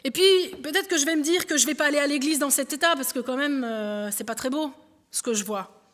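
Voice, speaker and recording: High-voiced woman preaching in a reverberant hall. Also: brisk. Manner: lively, conversational preaching, speaking to a helper and congregation. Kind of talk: sermon illustration with a balloon.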